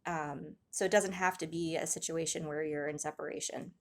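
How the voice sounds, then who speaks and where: Woman, low pitch, soft and hesitant, slightly raspy throat, casual tarot reading. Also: steady tone, normal speed, slight background noise. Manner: soft-spoken, hesitant, many ums and restarts, gasps in awe. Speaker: tarot reader.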